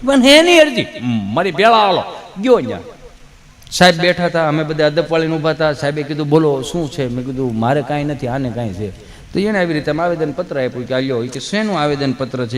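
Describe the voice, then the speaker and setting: A man telling folk comedy stories on stage, acting out the dialogue with sudden jumps in voice. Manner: animated storyteller, acts out dialogue with sudden pitch jumps. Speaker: stand-up comedian. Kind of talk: Gujarati folk comedy storytelling. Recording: stage mic with long hall reverb.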